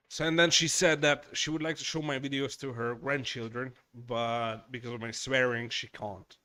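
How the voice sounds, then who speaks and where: This man speaks with a Hungarian accent at a moderate pace. His pitch is medium, with ordinary variation. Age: 30s. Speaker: woodworking craft youtuber. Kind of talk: casual live stream chat. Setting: workshop live stream. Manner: halting, stalls for words.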